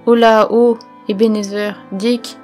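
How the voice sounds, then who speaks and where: A jovial, bossy old merchant calling his apprentices to work, put on by a woman reading a storybook. The calls come louder and a touch higher than the surrounding narration. Soft instrumental music sits faintly underneath. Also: flat delivery, a little slow, lightly acted.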